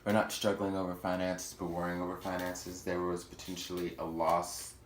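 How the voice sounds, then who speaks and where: A man with a very low voice talks through a tarot spread in a loose, chatty way. He stops now and then to correct himself or toss in a joke. The room is echoey, with a faint hiss behind him. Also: completely flat delivery, moderate pace. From Houston, Texas. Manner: chatty, self-correcting, playful asides. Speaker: tarot reader. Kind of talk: casual tarot reading.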